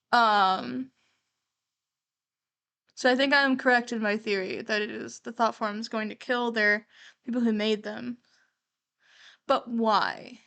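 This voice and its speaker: High-voiced woman livestreamer thinking aloud. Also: a bit bright. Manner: musing, thinking aloud, candid. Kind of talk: casual reaction commentary on a horror series.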